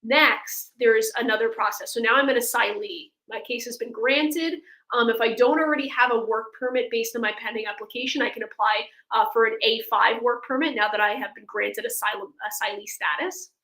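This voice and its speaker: Female legal expert, higher voice, conversational, walks listeners through procedures step by step. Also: fairly quick, sharp tone, poor audio. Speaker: immigration attorney, guest expert. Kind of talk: explaining legal steps in a webinar Q&A.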